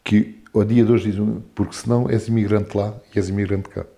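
A man in his forties, a guest in a casual interview, talking in a rambling, animated way with many restarts. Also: on the low side, brisk, creaky. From France. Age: 40s.

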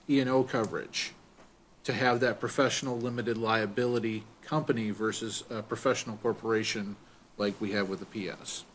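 A man speaks as a panel attorney, explaining company structures in a measured, even manner. He talks into a table microphone in a council chamber, with a faint hum of room noise behind him. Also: medium pitch. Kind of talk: answering audience questions on a panel.

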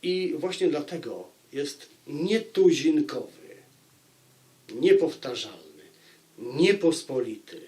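Slow, deliberate man reviewing a book. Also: fairly high pitch, lively intonation, dark tone. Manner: deliberate, with dramatic pauses and repetition for emphasis. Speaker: book review channel host. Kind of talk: informal spoken book review to viewers.

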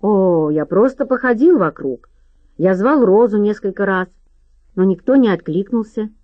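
A hot-tempered, defensive young man, as a woman narrator puts him on. He talks bitterly and a little louder than the narration. The sound is dry and slightly muffled. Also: mid-range voice, lively intonation, moderate pace, no echo, lightly acted.

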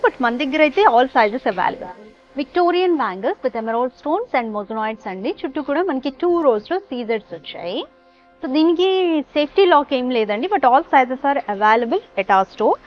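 High-voiced woman selling jewellery. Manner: cheerful sales pitch, Telugu mixed with English. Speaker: jewellery store presenter. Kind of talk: product showcase presentation. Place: jewellery showroom. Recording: dull lo-fi voice track with faint music.

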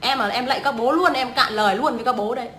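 A woman's voice: on the high side, fast talker, a bit bright, a little hiss or hum. A young woman, ranting scornfully and swearing often as a vlogger. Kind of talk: profane ranting commentary. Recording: echoey room.

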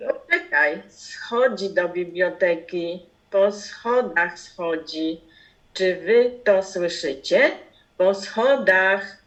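A woman's voice: lowish voice, drawn-out words. A woman playing a bossy, exasperated plotter, lecturing emphatically in an amateur radio play. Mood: insistent. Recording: slightly muffled home recording.

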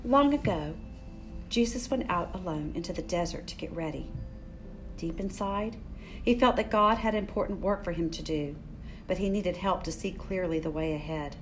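An older woman hosting a children's story time, speaking in a gentle, deliberate way for young listeners. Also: on the low side, soft background music. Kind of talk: children's story time, picture book read-aloud. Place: furnished room in a church building.

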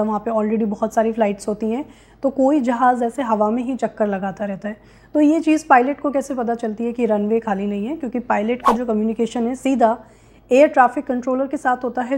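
Higher-pitched young woman explaining. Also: a little mellow. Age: young adult. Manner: explanatory, direct address to viewers. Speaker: host of career guidance videos. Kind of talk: explainer to camera, mixing Hindi with English terms. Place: small indoor room with curtains, seated.

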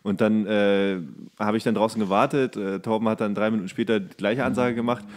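A man's voice: lowish voice, fairly even intonation, a little fast. A man co-hosting a podcast, telling comic anecdotes in a rambling, jokey, casual way. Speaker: podcast co-host.

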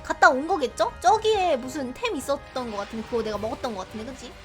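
A young woman giving casual, chatty commentary as she plays a game, reacting loudly, laughing often and teasing her viewers. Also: high voice, fast. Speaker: game streamer. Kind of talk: casual let's-play commentary. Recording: game music behind the voice.

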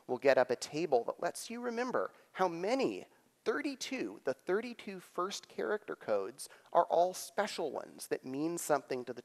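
A middle-aged man giving a live technical keynote on stage, explaining in an animated way with frequent pauses and emphasis. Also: fairly high pitch, creaky. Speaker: conference keynote speaker. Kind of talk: live technical presentation with demonstrations. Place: on stage in a theater, at a lectern. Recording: echoey theater hall reverb.

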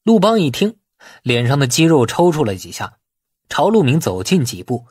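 A man with a husky voice narrating a novel in a dramatic, scripted audiobook style. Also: on the high side, big pitch swings, moderate pace, a little mellow, no echo, clean studio sound.

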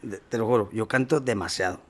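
A man's voice: lowish voice, fairly quick. A male singer, talking casually in an interview, rambling with many restarts and slang.

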